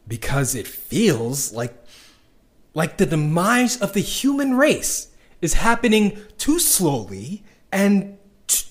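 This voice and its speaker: Slow, cynical man with swooping pitch. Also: full character voice. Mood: bitter, agitated. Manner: halting, cynical, sweary. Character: bitter, hopeless man recording a doomsday diary. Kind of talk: audio drama monologue, conversational diary.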